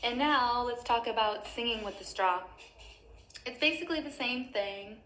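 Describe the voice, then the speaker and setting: A woman's voice: a little high, normal speed, pushed and bright, echoey room, slight background noise, low-quality recording. A young woman giving casual advice as a music teacher, chatty and full of fillers.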